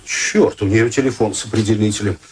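An actor playing an excitable middle-aged man in a radio play, an evasive womanizer who wheedles and stammers when cornered. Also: on the low side, a little fast, noisy background, close to an everyday voice. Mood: flustered, pleading.

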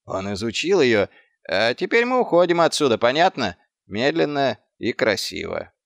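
A man voicing a small, scruffy male mongrel dog who talks in a higher, pushy, excitable way. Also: normal speed, creaky, dry recording, studio quality. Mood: defiant. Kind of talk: audiobook character voice.

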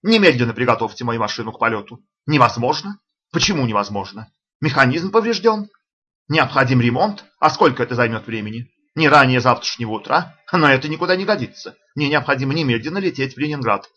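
Brief: excitable professor bursting out in anger, raised bright voice, a male reader puts him on, dull lo-fi audio. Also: mid-range voice, fast. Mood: demanding. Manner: shouting, indignant outbursts. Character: agitated male professor, hot-tempered.

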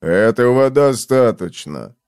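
A man voicing a gruff, tormented man in a storybook reading, speaking slowly and tersely. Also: medium pitch, expressive, a little mellow, dry recording, studio quality. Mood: brooding. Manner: slow, heavy, terse.

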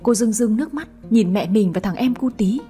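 Woman reading a love story, fairly high mellow voice, does all the dialogue herself, soft music behind. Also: animated, moderate pace. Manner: reads every character herself, shifting tone for dialogue. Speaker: narrator.

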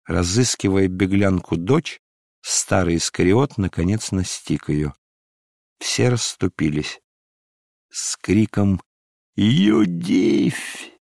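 A man narrating an audiobook in a measured, solemn manner. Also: low-pitched, a little mellow, dry recording, studio quality.

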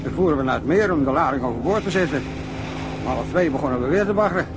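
An actor playing a gruff, irritable dredging-boat worker in a radio drama, blunt and agitated, with engine noise behind. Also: male voice, on the high side, expressive, fast, close to an everyday voice.

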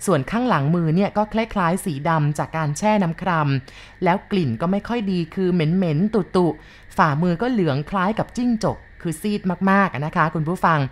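Lowish-voiced woman narrating a ghost story, polite and measured, talks to the listeners.

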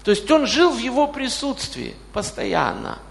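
High-voiced, gravelly man preaching. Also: wildly swooping pitch, moderate pace. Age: 40s. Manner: questions the congregation directly. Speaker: pastor. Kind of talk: sermon. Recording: reverberant hall.

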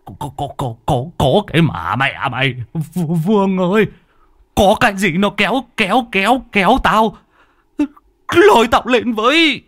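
A man voicing a crude old village man who swears, stammers and shouts in panic. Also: mid-range voice, lively intonation, moderate pace, few pauses, breathy edge, no echo, clean studio sound. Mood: panicked. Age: older.

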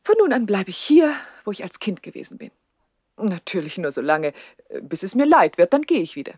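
An actress playing a haughty, coquettish young widowed princess in a 1960s German radio play, imperious and teasing in a theatrical way. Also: female voice, mid-range voice, big pitch swings, fairly quick, a little mellow, breathy edge, no echo, clean studio sound. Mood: haughty, flippant.

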